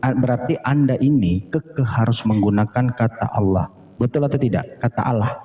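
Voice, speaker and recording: A man with a mellow, mid-range voice speaks briskly in a heated live debate, insistent and hectoring and often repeating himself. The stream sounds echoey, dull, and lo-fi, with faint noise.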